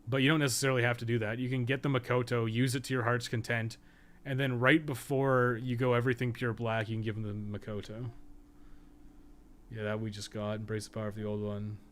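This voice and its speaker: A man's voice: medium pitch, level tone, brisk, fairly bright tone. A man giving casual, rambling livestream game commentary, thinking aloud with some swearing and self-deprecation. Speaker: video game streamer and podcast co-host.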